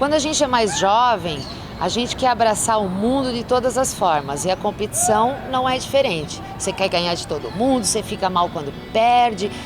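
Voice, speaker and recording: A woman talks at a moderate pace with a fairly high pitch and lively intonation. Noticeable background noise can be heard. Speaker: retired volleyball player. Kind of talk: interview.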